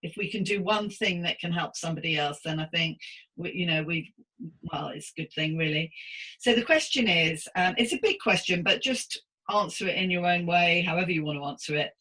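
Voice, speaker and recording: A woman's voice: on the low side, a little fast, bright, forceful tone, low-quality recording. A middle-aged British woman hosting a casual interview podcast, chatting in a rambling, self-deprecating way. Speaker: podcast host.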